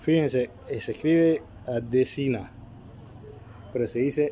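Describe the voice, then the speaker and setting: The speaker is a man. His voice has a dark, mellow tone. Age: 40s. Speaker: Ifa priest. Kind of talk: informal lecture. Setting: temple.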